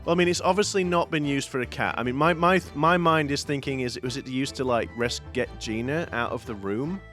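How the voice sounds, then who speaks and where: A man chatting casually and joking while playing a game, thinking out loud with hesitations. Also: medium pitch, fairly quick, faint music behind. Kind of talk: casual let's-play chat.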